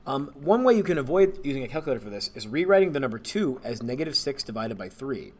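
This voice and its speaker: A man's voice: mid-range voice, quick pace. Man talking through algebra homework. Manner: relaxed, thinking aloud, self-correcting. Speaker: math teacher. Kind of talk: homework walkthrough screencast.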